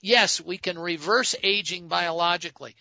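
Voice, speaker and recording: A man in his sixties talks earnestly on a health radio program, his voice bright and forceful. The sound is dry, with no room echo. It has the dull, narrow band of an old radio broadcast. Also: high voice, moderate pace, vocal fry. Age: 60s. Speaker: radio host. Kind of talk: health talk radio sponsor segment.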